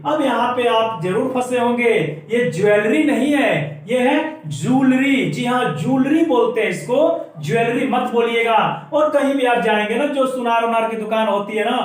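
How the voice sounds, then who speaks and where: A man teaching an English lesson, explaining patiently and slowing down to repeat example words for dictation. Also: very high voice, fairly even intonation, far from the mic. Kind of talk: classroom-style language lesson. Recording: very echoey room, voice off-mic.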